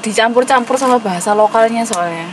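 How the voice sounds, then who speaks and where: A patient female English teacher with a Javanese accent runs an online English class, her voice a little high and fairly quick. She explains things patiently, slipping in English terms and light laughs. The recording comes from a noisy room where air conditioning hums.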